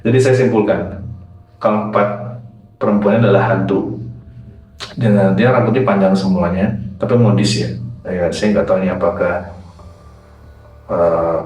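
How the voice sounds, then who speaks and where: A man's voice: low-pitched, a little mellow, distant mic. A man telling a personal ghost encounter in a casual, chatty way, rambling with fillers and repeated words. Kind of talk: casual first-person horror storytelling. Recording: echoey room, set back from the mic, faint music underneath.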